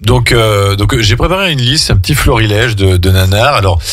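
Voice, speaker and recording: Low-pitched guy hosting a radio movie show, casual and hesitant, dry studio mic. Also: a little fast, dry recording. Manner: relaxed, hesitant with many fillers. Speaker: radio film show host.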